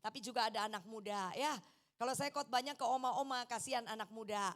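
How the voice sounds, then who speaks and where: A middle-aged woman preacher with an East Javanese accent and a high voice. Her delivery is animated, and she mixes in Javanese phrases. She coaxes her congregation to answer her with amen. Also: a little fast. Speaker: evangelist preacher. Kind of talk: lively sermon. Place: church hall.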